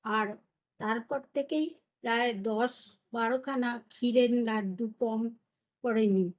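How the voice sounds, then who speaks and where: A woman reads a children's story aloud at an unhurried pace. Her voice is a little high and her reading careful. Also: fairly even intonation, rough recording. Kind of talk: storybook narration.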